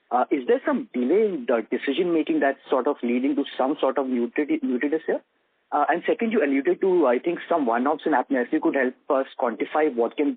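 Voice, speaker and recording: A man's voice: mid-range voice, breathy edge, no room sound. A man asking analyst questions on an earnings call over an unclear phone line.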